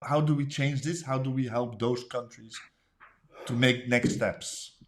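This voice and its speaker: A man's voice: mid-range voice, fairly even intonation, measured pace. A man interviewing a guest, asking questions with hesitations and restarts and offering frequent short agreements.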